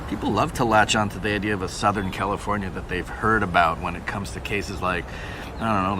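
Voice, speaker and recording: An actor playing a self-assured, opinionated Hollywood murder-tour guide who talks casually with a wry edge. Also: male voice, lowish voice, natural voice. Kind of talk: casual conversational explaining. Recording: noisy outdoor city street ambience. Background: street and traffic noise.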